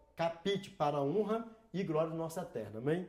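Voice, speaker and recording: There is audible room echo as a man speaks in a high pitch at a moderate pace. His intonation is lively. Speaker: preacher. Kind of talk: sermon. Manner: animated, exhorting.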